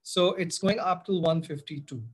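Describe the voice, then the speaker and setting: A man's voice: high voice, moderate pace, husky. A man with a South Asian accent giving an instructive tutorial as a teacher, speaking directly to pupils and switching between languages. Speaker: biology teacher. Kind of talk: tutorial explanation, switching between English and Hindi-Urdu. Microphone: screen-recorded voice-over.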